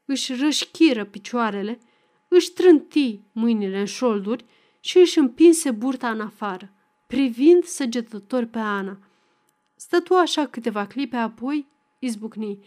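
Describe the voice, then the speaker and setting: A woman narrating a novel as an audiobook reader, in a measured, expressive reading. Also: fairly high pitch.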